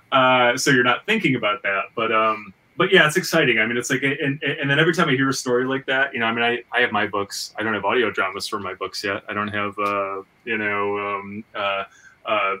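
Bright, forceful man, rambling and enthusiastic, off-mic. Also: fairly low pitch, fairly even intonation, fairly quick, distant mic, low-quality recording. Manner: rambling, repetitive stammering, enthusiastic. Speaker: podcast host and comic book writer. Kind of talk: casual podcast discussion.

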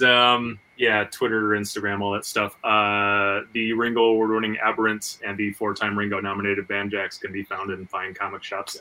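A man's voice: on the low side, sharp tone, low-quality recording. A man co-hosting a casual podcast, speaking in a tongue-in-cheek, self-promoting way. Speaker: podcast co-host.

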